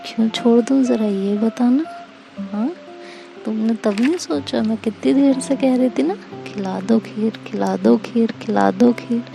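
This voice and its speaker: Casting: a woman voicing a bold, teasing young lover, gravelly and mellow. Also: fairly high pitch, a little slow, soft background music. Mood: insistent. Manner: teasing, insistent. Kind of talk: storytelling audio drama.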